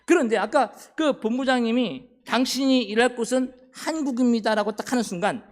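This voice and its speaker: Middle-aged guy preaching, highish voice, acts out the quotes. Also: a little fast. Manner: storytelling, acting out quoted dialogue. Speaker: missionary preacher. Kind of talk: sermon testimony.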